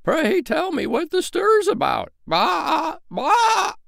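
A man voicing an old white ewe sheep with high bleating cries. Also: huge pitch swings, measured pace, gravelly, a bit bright, no echo, clean studio sound, heavily acted.

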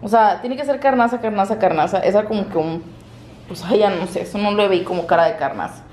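Slight background noise sits under this casual vlog, where a young beauty vlogger chats drowsily and aimlessly to her handheld camera. Her medium-pitched voice is darkish in tone and a little fast as she wanders from indoors out to the yard.

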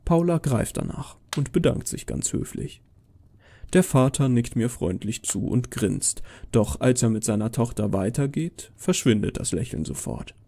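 A man's voice: medium pitch, animated, unhurried, gravelly, dark tone. A man reading a first-person horror story as a dramatic, scripted narration.

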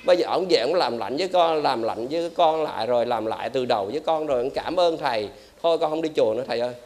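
A man's voice: medium pitch, expressive, fast talker, a little mellow, a little hiss or hum, pitched below the performer's own voice, lightly acted. A man playing a sobbing, pleading young wife. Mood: grateful. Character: weeping distraught young wife.

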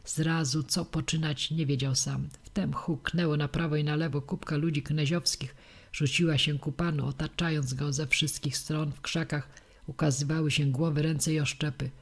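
A woman reading a classic novel aloud as audiobook narration, measured and steady. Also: low voice, breathy edge. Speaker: audiobook reader.

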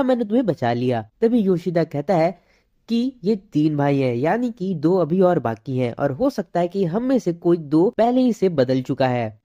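A woman narrating an anime recap, retelling the plot and reading each character's lines in a plain, steady way. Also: lowish voice.

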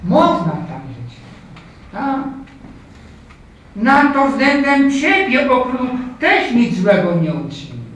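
Older preacher in an echoey hall. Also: male voice, very high voice, expressive, slow pace, fairly bright tone, a little hiss or hum. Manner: asks the congregation rhetorical questions, frequent "prawda?" and "tak?"; addresses listeners as "kochani moi". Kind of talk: sermon. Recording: echoey hall, distant mic, faint ambience.

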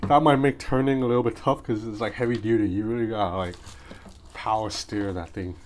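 A gadget reviewer with a lowish voice talks fairly quickly in a steady tone, thinking aloud through a casual, hands-on unboxing vlog. He's in a small room at home, and the recording is clearly noisy, with street sounds drifting in from outside.

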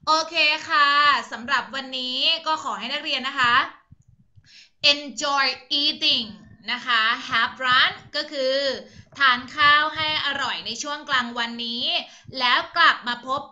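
Slow, gentle, high-voiced teacher woman. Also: fairly even intonation, muffled recording. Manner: slow, gentle, coaxing, calls pupils "ลูก", spells words out. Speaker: primary school English teacher. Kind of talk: online class over video call. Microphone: video call.

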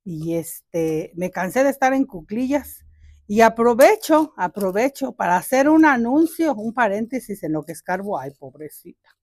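A woman's voice: mid-range voice, darkish tone, no echo. Chatty older woman in a dry garden. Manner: chatty, joking, fond of her plants, many fillers. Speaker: gardening channel host. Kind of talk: casual gardening vlog talk. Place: home garden outdoors.

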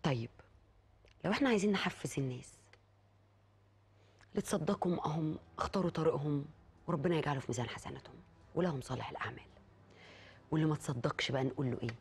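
A woman's voice: low-pitched, very fast, pauses often, slightly rough. A woman with an Egyptian Arabic accent hosting a TV talk show, eagerly chiming in with short remarks and questions. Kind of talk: casual talk-show interviewing.

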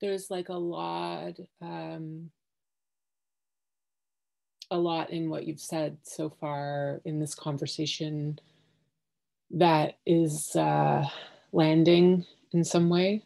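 A woman in her thirties sharing her thoughts on a video call from home, halting and searching for words, with many fillers and restarts. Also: deep voice, flat delivery, vocal fry, dark tone. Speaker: workshop participant. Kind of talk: hesitant reflective sharing. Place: home living room.

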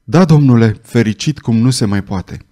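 A man voicing a proud, commanding middle-aged nobleman who speaks forcefully. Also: mid-range voice, close to an everyday voice. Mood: earnest.

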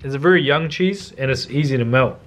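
A man's voice: medium pitch, brisk. A young man giving a casual, slangy cooking demonstration in a laid-back way. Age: young adult. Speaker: cooking vlogger. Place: home kitchen, indoors.

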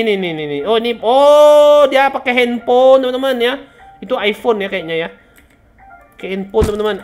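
A young woman giving casual let's-play commentary, chatty, repeating words in quick bursts and often addressing her viewers. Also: on the high side. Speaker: gaming channel host.

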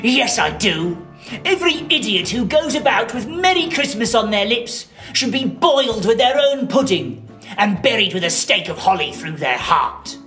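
A woman's voice: mid-range voice, big pitch swings, normal speed, fairly bright tone, echoey room, faint music behind. A woman voicing a mean, miserly old man who speaks curtly and scornfully in a children's puppet show. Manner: curt, scornful.

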